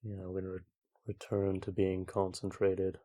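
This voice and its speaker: A man leading a guided meditation as a teacher, speaking in a calm, gentle, unhurried way with long pauses between phrases. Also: deep voice.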